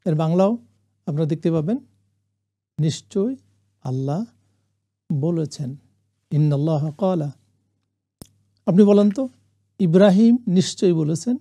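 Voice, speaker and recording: A man teaching the meaning of Quranic Arabic words, reciting phrases slowly for listeners to repeat and adding English glosses. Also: on the high side, gravelly, warm tone. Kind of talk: classroom lesson on Quranic Arabic.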